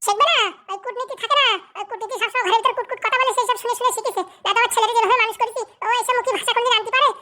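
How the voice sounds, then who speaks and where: Very high child-like pitch, scheming bossy wife, rapid-fire, argumentative, comedy dialogue. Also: steady tone, sharp tone, heavily acted. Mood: indignant. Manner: scolding, argumentative. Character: scheming, bossy cartoon wife and mother, quick to scold.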